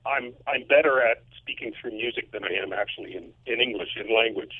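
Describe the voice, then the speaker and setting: A man calling in over a phone line to a casual interview as a composer, speaking in an earnest, halting way. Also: mid-range voice, husky. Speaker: music composer. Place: remote, calling in. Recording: tinny, muffled phone line.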